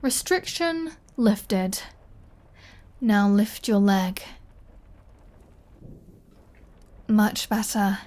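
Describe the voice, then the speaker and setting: A woman's voice: mid-range voice, animated, extremely slow, a little mellow. A woman voicing a flirty, possessive female vampire in an intimate ASMR roleplay, with a teasing, playfully threatening manner. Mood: coaxing, intimate.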